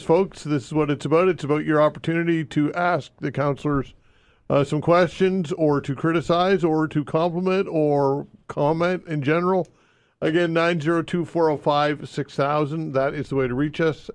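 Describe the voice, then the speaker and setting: Higher-pitched radio host. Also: male voice, dry recording. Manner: emphatic, repeats phone number. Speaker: radio talk show host. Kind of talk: talk radio hosting. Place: radio studio. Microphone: studio microphone.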